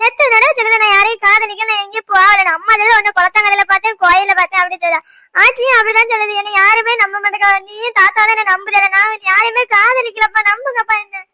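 A woman's voice: very high-pitched, steady tone, sharp tone, dry recording, heavily acted. A woman voicing a tearful young village daughter with a Tirunelveli Tamil accent, pleading in a cartoon. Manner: pleading, drawn-out crying speech. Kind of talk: animated cartoon voice acting.

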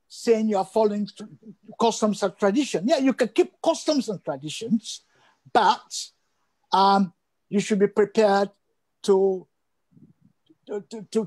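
A man's voice: high-pitched, darkish tone. An older man from Sierra Leone, a guest on a video call interview, speaking emphatically and repeating phrases for stress. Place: indoor room at home.

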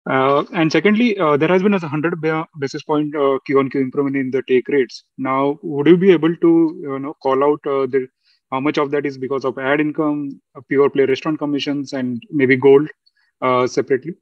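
A man's voice: fairly high pitch, steady tone, no echo, far from the mic. Male analyst on a dull conference line. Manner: halting. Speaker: financial analyst. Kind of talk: asking questions on an earnings call. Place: conference call.

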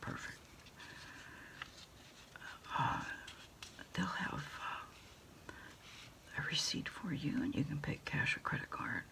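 A woman doing a quiet ASMR roleplay as a food delivery order taker on the phone, whispery and soft-spoken, with hesitant, halting phrases. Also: deep voice, big pitch swings. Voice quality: whispery, breathy, mostly unvoiced. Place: small dim desk corner indoors.

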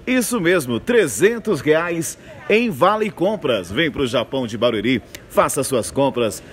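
A man gives a live hard-sell advertising pitch as a supermarket announcer, urging and repetitive, into a handheld mic. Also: lively intonation, measured pace. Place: large supermarket floor, indoors. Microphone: handheld microphone, phone video. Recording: clear store ambience noise.

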